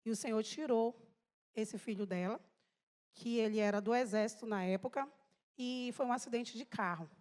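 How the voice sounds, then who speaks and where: Woman giving a church testimony, high voice, long echo off the hall. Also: normal speed, a little mellow. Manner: emotional storytelling, addresses congregation directly. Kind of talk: sermon testimony.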